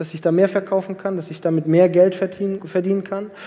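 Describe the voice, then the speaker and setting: This is a man speaking at a high pitch. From northern Germany, Flensburg. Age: 30s. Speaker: former drug dealer turned preacher. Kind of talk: testimony; sermon. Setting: youth church service with live audience.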